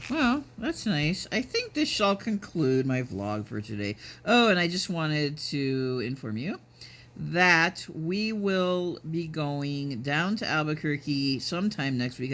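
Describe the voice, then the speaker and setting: A man in his fifties vlogging casually, talking in a halting, musing, rambling way. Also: fairly high pitch, fairly bright tone. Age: 50s. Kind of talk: casual chat. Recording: noticeable background noise.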